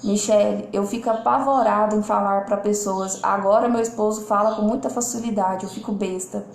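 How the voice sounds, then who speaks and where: A Brazilian woman speaking from home on a live stream, lively and expressive, changing her loudness and tone on purpose as she reads out viewers' comments. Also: medium pitch, moderate pace, creaky, echoey room. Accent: Brazilian Portuguese. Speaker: lawyer and online mentor hosting a live.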